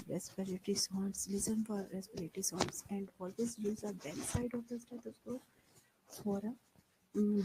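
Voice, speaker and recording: Slow-speaking hoarse woman lecturer. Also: mid-range voice, heavy background noise. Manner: slow, deliberate explaining that mixes English and Hindi. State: slightly hoarse throat. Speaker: nursing lecturer. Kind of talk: online class lecture.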